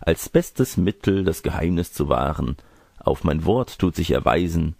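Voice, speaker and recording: Man voicing a lecherous gravelly wolf in granny disguise. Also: medium pitch, big pitch swings, moderate pace, a little mellow, no echo, pitched above the performer's own voice, heavily acted. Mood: self-satisfied. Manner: wheedling, boastful, crude. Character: lecherous wolf-sorcerer disguised as a grandmother, smug and testy. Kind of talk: storybook character reading.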